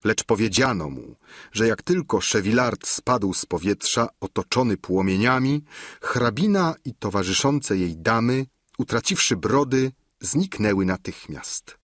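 Man narrating an audiobook, breathy tone. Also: lowish voice, lively intonation, a little slow, fairly bright tone, no echo, clean studio sound.

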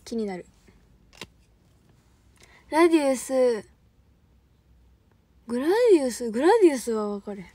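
A woman's voice: fairly high pitch, animated, moderate pace, long pauses, darkish tone, no echo. A young woman with a Kansai accent, chatting on a livestream as an idol trainee, rambling and laughing often while thanking viewers. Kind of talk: casual livestream chat.

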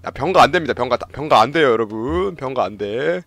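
A man giving loud, yelping gameplay commentary as a game streamer, shouting quick repeated commands and laughing often. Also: medium pitch, expressive, creaky, dry recording, faint music behind.

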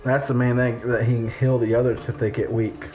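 A man with a mid-pitched voice chats casually as co-commentator on a video game playthrough. Game music runs behind his talk. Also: flat delivery, fairly quick, highs cut off. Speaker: co-commentator on a let's play. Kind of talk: casual gameplay commentary chat.

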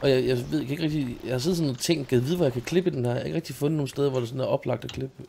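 A gravelly-voiced young man from Denmark chats casually while gaming. He tells a story about home life, laughing easily and cursing freely, speaking into a desk microphone. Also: medium pitch, warm tone, a little hiss or hum. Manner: laughs often, swears casually. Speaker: gaming video host.

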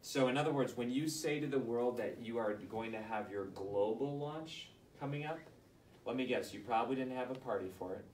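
A man coaching aspiring authors in front of a live audience, firing off quick advice and rhetorical questions. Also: mid-range voice, slight background noise. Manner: energetic, rapid-fire advice with rhetorical questions. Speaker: book coach. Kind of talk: live group coaching session. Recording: roomy, distant mic, faint ambience.

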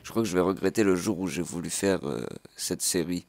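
A man hosting a gaming channel, giving live commentary on his own match with frequent excited outbursts and swearing. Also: deep voice, brisk, creaky.

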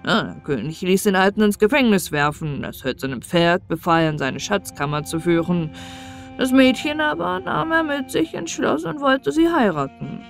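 A woman's voice: medium pitch, very animated, moderate pace, creaky. A woman reading a scripted fairy tale as an audiobook narrator, in bedtime storybook style. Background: music behind the voice.

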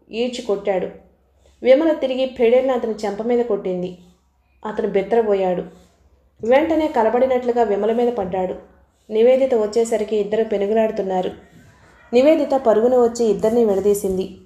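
A woman narrating an audiobook novel in a steady, even manner. Her voice is fairly high and mellow, and the recording has a roomy echo. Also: normal speed, long pauses, muffled recording. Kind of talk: reading a novel aloud.

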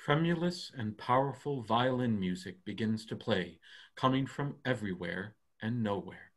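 A man's voice: lowish voice, lively intonation, moderate pace. A man reading stage directions as scripted narration for a play.

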